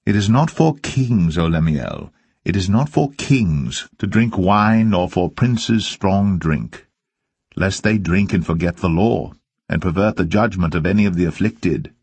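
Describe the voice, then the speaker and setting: A man reading scripture aloud as solemn narration, with measured and deliberate phrasing. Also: sits low, expressive, a little mellow, slightly rough, dry recording. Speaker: Bible reader.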